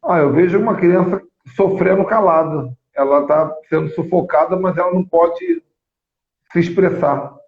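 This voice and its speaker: A man, apostle and host, telling stories in a lively live religious teaching talk. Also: high-pitched, moderate pace. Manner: animated storytelling, many restarts. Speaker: apostle and prophet, show host. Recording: echoey, phone-like thin sound.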